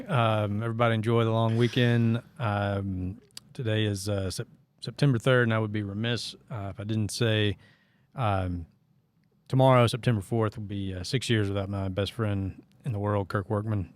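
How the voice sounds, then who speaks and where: A man's voice: lowish voice, steady tone, normal speed, dry recording. A middle-aged man from Northeast Arkansas, hosting a casual podcast and telling rambling, sarcastic stories. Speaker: podcast host.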